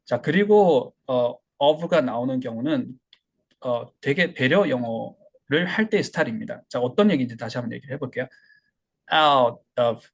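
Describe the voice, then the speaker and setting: A man's voice: medium pitch, expressive, normal speed, gravelly, breathy edge. A man teaching English pronunciation in an online lesson. He explains step by step and says the English words aloud as examples.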